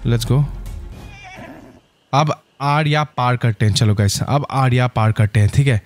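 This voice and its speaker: A man hosting his gaming channel, giving excitable gameplay commentary and calling out to his viewers constantly. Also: mid-range voice, a little slow, dry recording, faint music behind. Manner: excitable, keeps saying "guys".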